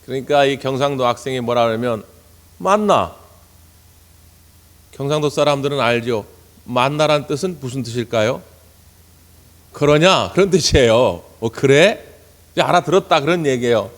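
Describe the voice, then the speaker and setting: A man's voice: medium pitch, a little fast. Male pastor preaching in a reverberant church. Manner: storytelling, earnest, addresses the congregation. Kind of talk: sermon. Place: church sanctuary. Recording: long church hall reverb.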